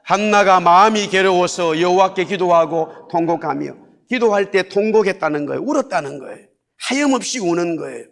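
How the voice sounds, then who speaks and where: A pastor preaches in a church sanctuary, his voice high, fairly quick, creaky, and fairly bright. He hammers key words through repetition and has the congregation echo his phrases aloud.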